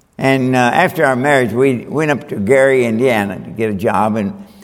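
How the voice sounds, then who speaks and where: Audible room echo surrounds a man speaking at a fairly slow pace and medium pitch. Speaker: preacher. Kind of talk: sermon.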